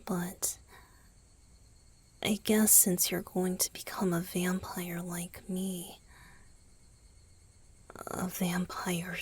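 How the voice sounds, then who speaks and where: A woman voicing a gentle, youthful male vampire boyfriend in a romantic ASMR roleplay, soft and hesitant. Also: fairly low pitch, flat delivery, extremely slow, pauses often, a little hiss or hum. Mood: wistful, confessional. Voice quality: soft, breathy, husky. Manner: hesitant, tender, sighing delivery.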